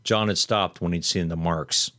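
A man reading a horror story aloud in steady, measured scripted narration. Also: low-pitched, dry recording.

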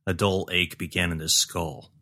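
Guy reading a fantasy story aloud, really low voice, steady and even. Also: normal speed. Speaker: audiobook narrator. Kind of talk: scripted story narration.

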